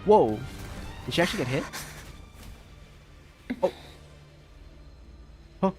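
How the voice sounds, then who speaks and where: A man's voice: fairly high pitch, big pitch swings, takes it slowly, a little mellow. A man streaming a video game, giving casual live commentary and thinking aloud as he plays. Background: game music.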